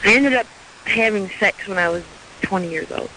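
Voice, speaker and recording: A woman's voice: mid-range voice, normal speed, sharp tone, slight background noise, poor audio. A woman from Iraq calling into a radio show, chatty and frank, speaking over the phone. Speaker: caller.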